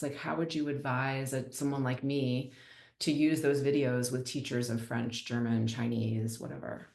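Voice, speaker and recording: A woman's voice: a bass voice, a little mellow, reverberant. A woman moderator and language teacher putting a conversational question to panelists over a video call. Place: indoor room, video call.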